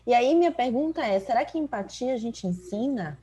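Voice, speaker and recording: A woman from Salvador, Bahia, Brazil, speaks Portuguese with a Bahian accent as a doctor co-hosting a podcast, telling stories reflectively and tagging her sentences with frequent "né?" in casual conversation. Her voice is on the high side, expressive, and brisk, with crowd noise in the background.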